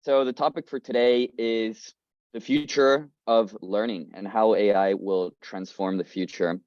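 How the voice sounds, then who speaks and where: A young man from Colombia gives an upbeat, informal talk on a video call, tripping over fillers and restarting sentences as he goes. His voice sits a little low. The call audio is dull and dry, with no room sound. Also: fairly even intonation, unhurried, darkish tone, no echo. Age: 20s. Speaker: guest speaker, startup founder. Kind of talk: casual presentation on a community video call.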